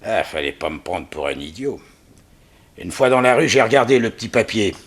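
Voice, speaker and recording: An actor playing a gloating, murderous jewel thief in a 1960s French radio crime serial, mock-polite and theatrical. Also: male voice, fairly low pitch, sing-song, normal speed. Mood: gloating menace.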